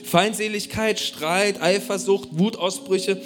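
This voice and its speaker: A man with a fairly high voice delivers a sermon to a congregation. He preaches animatedly and talks directly to his listeners, often asking them questions. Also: fairly even intonation, slow, a bit bright. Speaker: pastor.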